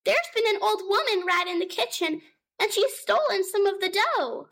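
Frightened little kittens squeak in very high, breathless voices, as a woman reading a storybook puts them on. They gasp out their words in a panicky rush, the pitch leaping up sharply. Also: expressive, moderate pace, fairly bright tone, full character voice.

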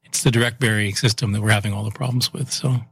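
A man who runs a town's water and sewer crews, talking through how the system works in a relaxed interview. He speaks plainly, often trailing off with "so" and "yep". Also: lowish voice, fast, creaky, husky, no echo. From Massachusetts, US. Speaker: utilities chief of operations. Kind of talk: casual interview.

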